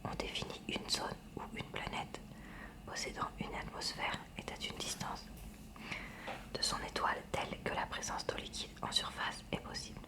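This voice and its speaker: A woman whispering throughout in a hushed library manner, reading a school textbook aloud as ASMR with measured, careful enunciation.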